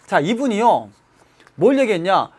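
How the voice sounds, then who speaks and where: A man's voice: high voice, sing-song, normal speed, a little mellow, husky. A man teaching chemistry in a studio lecture for exam students, emphatic and repeating key terms with rhetorical questions. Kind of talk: televised exam-prep lecture. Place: broadcast studio.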